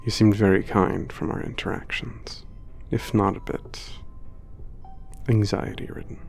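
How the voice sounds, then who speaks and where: A man playing an old, gentle, reflective giant, speaking in a measured, formal way as in an ASMR letter home. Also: on the low side, steady tone, gravelly, faint music behind. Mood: wistful, measured. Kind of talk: ASMR letter narration and roleplay.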